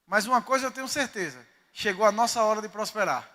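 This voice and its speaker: A man's voice: sits high, animated, fast talker, pushed and bright. A man with a Northeastern Brazilian accent, a pastor preaching a sermon and telling stories with emphasis. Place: church sanctuary. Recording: reverberant church hall.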